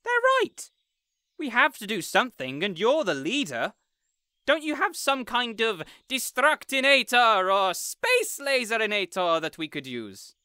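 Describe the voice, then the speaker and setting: Man putting on a very high whiny young male superhero, indignant, insecure, pompous, bright tone, audio drama. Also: big pitch swings, measured pace, clean tone, dry recording, studio quality, heavily acted. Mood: eager. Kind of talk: scripted audio roleplay acting.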